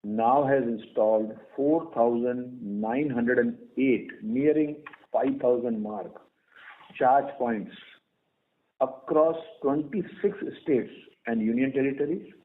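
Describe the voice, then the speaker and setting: A man with an Indian accent giving a prepared company earnings presentation as an executive, formally and in short, measured phrases. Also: medium pitch. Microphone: phone or conference call line. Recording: tinny phone-line conference call audio.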